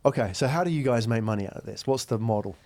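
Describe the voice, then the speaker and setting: A man's voice: medium pitch, quick pace, a little mellow. A man hosting a conversational business podcast interview in a studio, often checking agreement as he talks.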